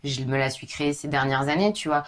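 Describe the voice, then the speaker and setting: A young woman with a low, husky voice, chatting casually as a podcast guest and filling her talk with informal asides. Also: fast. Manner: chatty, informal, many fillers.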